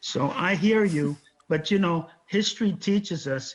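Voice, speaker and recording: Somewhat breathy male speech with ordinary pitch variation. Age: 60s. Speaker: constitutional lawyer. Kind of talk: panel discussion.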